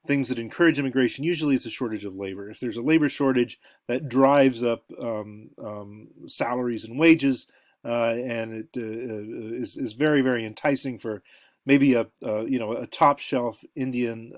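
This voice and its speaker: An American man lectures in a loose, conversational manner, thinking aloud and wandering into asides. His voice sits in an ordinary middle range. The recording is dry, with no room echo. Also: medium pitch. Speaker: college lecturer.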